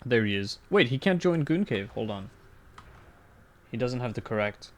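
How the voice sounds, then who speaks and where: A man's voice: medium pitch, animated, normal speed. A man streaming a game, chatting casually with crude jokes and frequent laughs. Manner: crude joking, laughs often. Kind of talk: casual gaming chat.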